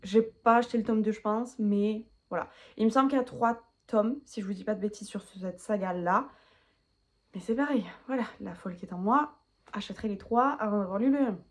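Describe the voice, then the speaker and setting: A woman's voice: mid-range voice, a little fast. Chatty self-mocking French-speaking woman. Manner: chatty, self-mocking, rambling with many asides. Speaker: book vlogger. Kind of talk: casual chat to camera.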